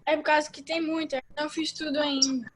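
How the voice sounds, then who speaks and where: A student asking quick questions about homework in an online class, with a Brazilian Portuguese accent. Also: female voice, high-pitched, level tone, slight background noise.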